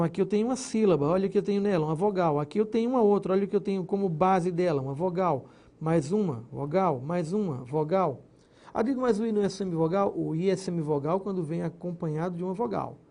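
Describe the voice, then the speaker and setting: A man's voice: high-pitched, creaky, mellow. A man teaching a recorded grammar lesson, explaining step by step, splitting words into syllables and checking in with his students. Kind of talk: recorded exam-prep lesson.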